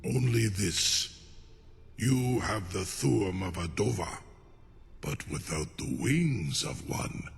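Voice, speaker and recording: A proud, scheming ancient dragon for a fantasy video game. The voice is very deep and thick with gravel, and it moves slowly and formally, weighing each phrase with imperious care. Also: male voice, animated, long reverb tail, soft background music, heavily acted. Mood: sly, bargaining. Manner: slow, deliberate, formal and imperious. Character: ancient captive male dragon, proud, cunning and grandiose.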